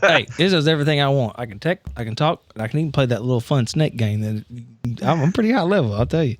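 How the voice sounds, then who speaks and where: A man's voice: mid-range voice, expressive, dry recording, studio quality, natural voice. A man playing a sheepish, hapless but determined schemer in a tabletop roleplay, rambling and interrupting himself. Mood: proud, resolute. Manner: halting, rambling, self-interrupting.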